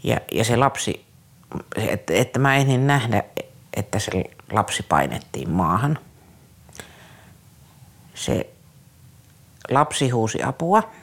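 A man, a former youth care counselor, telling a personal story in an interview in a halting, earnest way, often restarting his sentences. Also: medium pitch, very animated, a bit bright.

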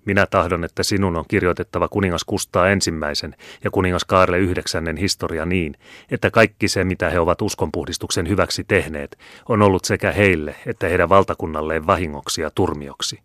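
A man's voice: deep voice, fairly even intonation, fairly bright tone, no room sound, clean studio sound. Man reading as a haughty menacing Jesuit. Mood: thundering. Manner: scornful, commanding, menacing. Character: haughty domineering older male Jesuit superior.

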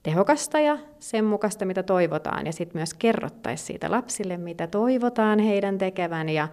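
A woman's voice: medium pitch, lively intonation, darkish tone. A woman speaking as an expert in a conversational interview, explaining at length with many fillers and restarts. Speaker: gymnastics federation expert.

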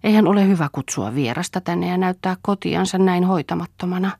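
A woman's voice: lowish voice, vocal fry, dark tone, no echo, studio quality, voice pushed up. A woman reading a feverish young mother, tender and strained.

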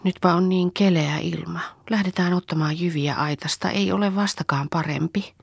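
A woman voicing a bold, scheming farm girl in a hushed, urgent whispered role-play. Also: mid-range voice, sing-song, slightly rough, dry recording, pitched above the performer's own voice. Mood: conspiring.

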